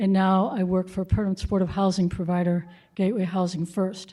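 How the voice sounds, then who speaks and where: Her dark, mellow tone sits at a medium pitch as the woman speaks at a fairly quick pace with monotone, flat intonation. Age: 60s. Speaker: homeless outreach worker giving public testimony. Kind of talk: public comment at city committee hearing. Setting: city council committee hearing room.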